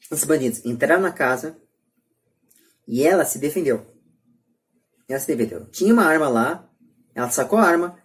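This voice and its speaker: A man's voice: a little high, a little mellow. A Brazilian man hosting a podcast, giving opinions emphatically with repeated phrases and rhetorical questions. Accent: Brazilian Portuguese. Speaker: podcast host.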